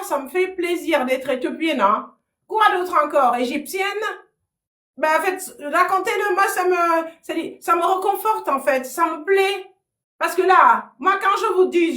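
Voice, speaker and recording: A woman's voice: sits high, bright, forceful tone. A woman, giving heated, sarcastic political commentary on a livestream and hammering her points home. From Guinea (Fouta). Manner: combative, sarcastic, repeats points. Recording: roomy echo.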